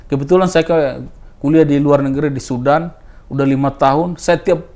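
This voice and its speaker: A man in his thirties from East Timor, telling his personal story in a casual interview, his voice rising high when he stresses a point. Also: normal speed. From Timor Leste. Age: 30s. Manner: animated storyteller, voice rising with emphasis.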